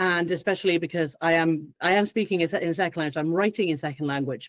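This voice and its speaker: A woman at a fairly low pitch and a very fast pace, with ordinary pitch variation against a quiet background. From Finland. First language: Finnish. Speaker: behavioral strategist. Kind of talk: podcast interview.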